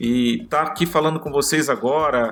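Over noticeable background noise, a man talks at a fairly slow pace. His pitch is fairly high. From Bauru, interior of São Paulo state, Brazil. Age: 30s. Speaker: former games journalist. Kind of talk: interview.

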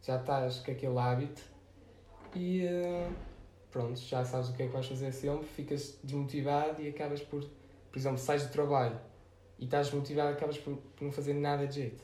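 A man's fairly high, flat, monotone voice with a European Portuguese accent, a fairly quick pace broken by long, frequent pauses, audible room echo and noticeable background noise. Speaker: podcast co-host. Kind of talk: casual chat.

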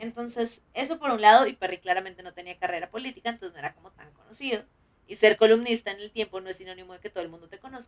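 Very fast and fairly high-pitched, a woman speaks with big swings in loudness and ordinary pitch variation, the sound dry and close with no echo. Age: 20s. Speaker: podcast host. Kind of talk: casual chat.

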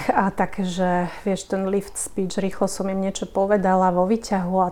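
A woman's normal speaking voice at medium pitch and moderate pace. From Slovakia. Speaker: change consultant and former banker. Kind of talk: interview conversation.

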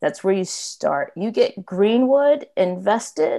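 In an ordinary speaking voice, a woman with an American accent talks at a fairly slow pace with lively intonation, recorded very cleanly with a silent background. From Oklahoma (Tulsa). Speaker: priest. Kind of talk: interview.

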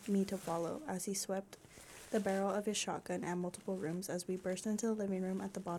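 Fairly even intonation in a natural reading voice

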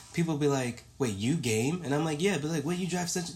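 A man with an American accent, his pitch swinging very widely, over noticeable background noise. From Chicago, South Side. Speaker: podcast co-host. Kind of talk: casual chat.

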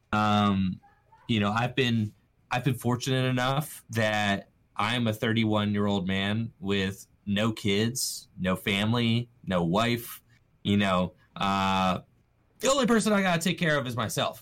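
In an ordinary speaking voice, a man talks at a fairly slow pace and fairly low pitch, with ordinary pitch variation and very even loudness, on a very clean recording with a silent background. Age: 30s. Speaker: professional gamer and content creator. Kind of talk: casual chat.

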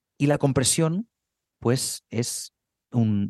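A man's voice with a dark, mellow tone, heard in a dry, close sound with no echo. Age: 30s. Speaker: musical theatre actor and musician. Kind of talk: casual chat.

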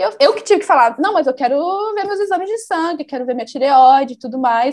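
Her pitch swings very widely as this woman speaks fairly quickly. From Brazil. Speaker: emigrant guest. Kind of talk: casual interview.

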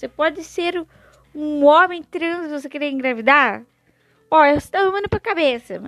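Over music in the background, a woman with a high pitch talks at a moderate pace. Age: 20s. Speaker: podcast host, mother. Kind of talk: casual monologue.

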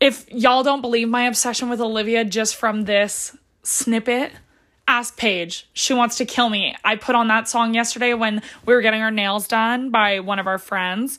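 A woman speaks at a moderate pace in a fairly high, bright and sharp voice with an animated tone. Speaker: solo podcaster. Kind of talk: casual chat. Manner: loud.

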